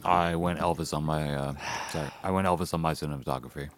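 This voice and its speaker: A man's voice: rumbling low, quick pace, slight background noise. A man co-hosting a podcast, chatting casually during a live awards broadcast with playful puns and dry jokes. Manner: playful punning, deadpan jokes. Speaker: podcast co-host.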